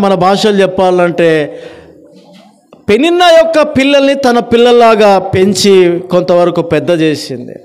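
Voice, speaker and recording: Male preacher, high and clear voice, call-and-response sermon. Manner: quizzes the congregation, swings between loud and low.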